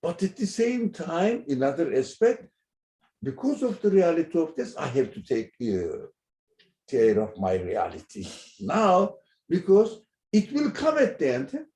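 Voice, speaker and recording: A man explaining a religious text in an animated way, chuckling often and pausing to search for words. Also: a little high, reverberant. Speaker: religious teacher.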